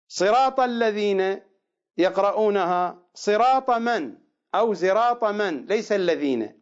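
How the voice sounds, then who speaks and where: Animated high-voiced man giving a religious lecture. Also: clear, resonant tone, lo-fi sound. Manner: slow deliberate recitation of words, then quick asides. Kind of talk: lecture on Quran readings.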